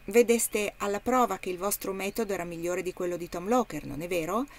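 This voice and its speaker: A woman's voice: medium pitch, a little fast, a little mellow, close to an everyday voice. Audiobook: woman voicing a curt, uneasy male landowner in debt. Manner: curt, disgusted. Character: indebted, uneasy male plantation owner.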